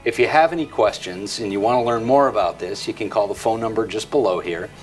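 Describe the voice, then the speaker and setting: A middle-aged American man with a fairly low voice presents a product tutorial conversationally. Music plays along with his speech. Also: fairly quick, poor audio. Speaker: video tutorial host. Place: indoor product display set.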